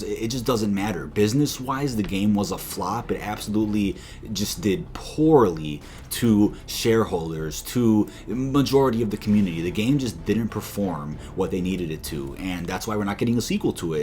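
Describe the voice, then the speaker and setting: A man's voice: sits low, a little mellow, a little hiss or hum. A man giving informal, opinionated video commentary to viewers as a gaming news host, explaining things with emphasis. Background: background music.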